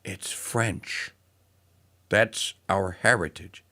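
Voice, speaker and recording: A middle-aged man from Louisiana, hosting a casual talk radio show, rambling and digressive with lots of fillers and restarts. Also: drawn-out words. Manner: animated pitch swings.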